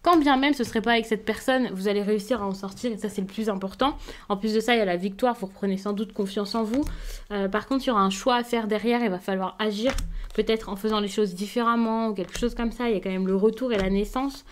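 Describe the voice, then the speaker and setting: Gentle woman reading tarot cards. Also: medium pitch, fast talker, slight background noise. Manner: gentle, reassuring, with frequent hesitations. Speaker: tarot card reader. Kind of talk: casual tarot reading to camera.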